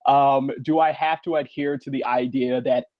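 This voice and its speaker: A man's voice: medium pitch, steady tone, normal speed, no room sound, muffled recording. A man chatting casually and animatedly as a panelist, telling stories in a self-mocking way. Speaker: panelist, podcast creator. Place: remote online panel call.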